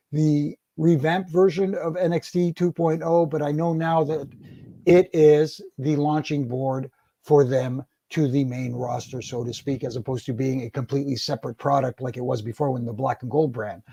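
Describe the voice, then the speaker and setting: A man's voice: on the high side, creaky, warm tone, slightly rough, dry recording. A middle-aged man giving casual podcast commentary on wrestling, hesitant with many uhs and repeated words. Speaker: podcast co-host, former wrestling referee.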